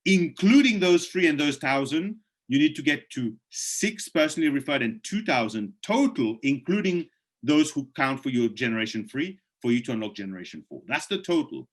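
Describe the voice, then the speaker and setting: A man with a voice worn hoarse from many presentations hosts a video call and speaks through a computer mic. He urges his listeners persuasively and reads their chat questions aloud before answering them one by one. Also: medium pitch, expressive, normal speed. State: losing his voice.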